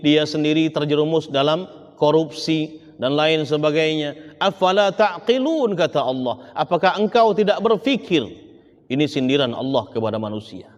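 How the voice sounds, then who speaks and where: A man preaches a sermon. His voice sits fairly high, and he keeps turning to his congregation, rising to loud emphasis and then dropping to a hush. A long hall reverb trails each phrase. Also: muffled recording. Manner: keeps addressing listeners as ladies and gentlemen, swings from loud emphasis to hushed. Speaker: Islamic preacher.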